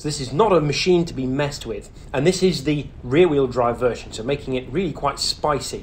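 A man speaks with ordinary pitch variation and a somewhat breathy voice against light background noise. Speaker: car reviewer. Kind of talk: casual vlog chat. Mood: upbeat, enthusiastic. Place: car. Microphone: phone near.

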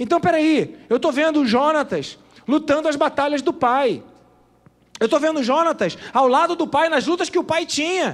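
A man speaks with a Brazilian accent at an extremely high pitch. His pace is moderate, his loudness very even and his pitch variation ordinary. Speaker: preacher. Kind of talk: sermon. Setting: church. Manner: earnest, exhortative, pleading direct appeals. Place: church. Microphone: handheld.

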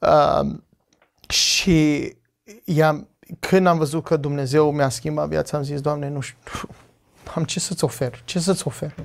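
Here a man speaks at a very slow pace. His pitch is fairly high and his intonation fairly even. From US, Chicago. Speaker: addiction ministry worker; podcast guest. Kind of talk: testimony. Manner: halting. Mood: reflective, earnest testimony. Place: studio. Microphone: lapel.

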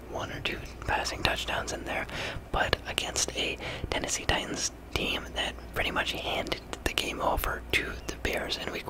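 A man whispering at a moderate pace, broken by long, frequent pauses. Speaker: sports commentator. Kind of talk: commentary. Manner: soft close-mic ASMR voice. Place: home room. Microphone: studio mic.

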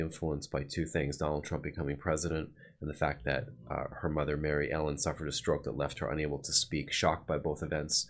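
A man talks at a fairly quick pace in a very deep, low voice. The background is quiet. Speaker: reaction channel host. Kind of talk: casual vlog chat. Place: home room. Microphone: studio mic.

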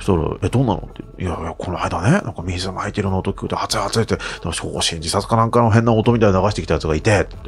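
A very fast man with a fairly low pitch, ordinary pitch variation and hardly any pauses, faint music in the background. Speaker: ghost story teller. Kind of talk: storytelling. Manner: soothing. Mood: animated. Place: studio. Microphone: studio mic.

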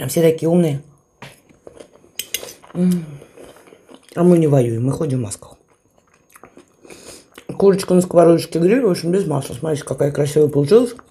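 Using lively intonation, a woman with a fairly low pitch speaks fairly slowly, leaving long, frequent pauses. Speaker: children's hospital nurse. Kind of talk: casual mukbang talk to camera. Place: home room. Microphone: phone near.

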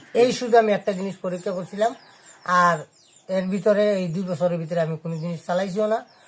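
Over noticeable background noise, a man talks in a high pitch with ordinary pitch variation. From Comilla, Bangladesh. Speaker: devotee practising folk rituals. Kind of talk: casual chat.

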